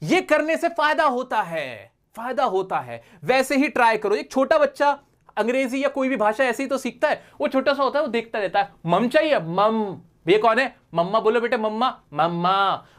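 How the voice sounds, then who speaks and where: Coaxing male English teacher. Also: high-pitched. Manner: lively, coaxing, affectionate toward students; repeats points and asks rhetorical questions. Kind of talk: online spoken English lesson.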